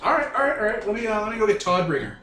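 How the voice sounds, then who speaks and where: Man putting on chummy higher-voiced working guy. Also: big pitch swings, rapid-fire, a crowd in the background. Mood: friendly, chummy. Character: friendly, casual settlement workers greeting a visiting god. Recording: echoey room, far from mic.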